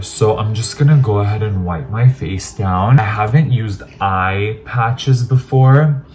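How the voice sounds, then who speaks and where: A man's voice: on the low side, noisy background. A man chatting casually as he unboxes and tries products, rambling and poking fun at himself. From Armenian heritage. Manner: chatty, rambling, self-deprecating. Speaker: vlogger.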